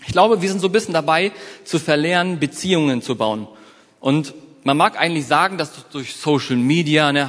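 A man giving a motivational talk, telling a personal story in a lively way and speaking straight to his listeners. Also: fairly high pitch, long reverb tail.

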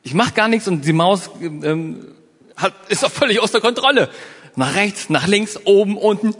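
Lively man telling a story in a reverberant hall. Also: high-pitched, moderate pace, husky. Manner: lively storytelling, addresses listeners directly. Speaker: speaker giving a motivational talk. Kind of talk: storytelling motivational talk.

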